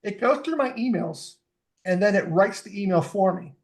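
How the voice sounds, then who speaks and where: A man's voice: high-pitched, animated, moderate pace. A middle-aged man, a guest in a casual podcast interview, explaining tools step by step with enthusiasm. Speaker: fitness technology expert guest.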